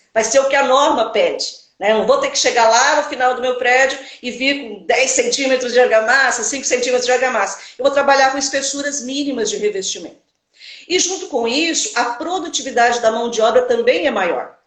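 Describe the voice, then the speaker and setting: Audible room echo accompanies a woman speaking fairly quickly in a high voice with ordinary pitch variation. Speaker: civil engineer. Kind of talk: live stream interview. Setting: Instagram live video. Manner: fast.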